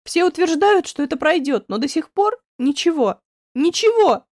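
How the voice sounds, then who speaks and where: A young woman on the edge of tears, her voice pitched up and pushed louder in pleading outbursts, as the audiobook reader acts her. The tone stays mellow and dry, recorded close. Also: lively intonation, moderate pace, dry recording. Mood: distraught. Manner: pleading, raised, tearful outbursts.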